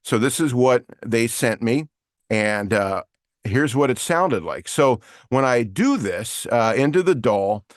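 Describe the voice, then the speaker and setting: A man's voice: mid-range voice, lively intonation, slow pace, no echo, clean studio sound. Casual male voiceover coach explaining. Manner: casual, explanatory, many fillers and restarts. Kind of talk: online lesson with screen share.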